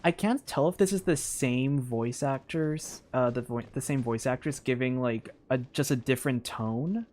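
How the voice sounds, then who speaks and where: A man's voice: medium pitch, moderate pace, hardly any pauses, darkish tone. A man streaming a game with casual, rambling commentary, thinking aloud as he goes. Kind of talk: casual live gameplay commentary.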